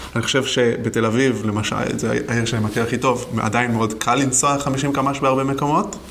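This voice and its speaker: Amid noticeable background noise and audible room echo, a man speaks at a fairly quick pace with hardly any pauses, his medium-pitched voice very even in loudness and fairly even in intonation. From Israel, Tel Aviv. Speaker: urban planner. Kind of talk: interview.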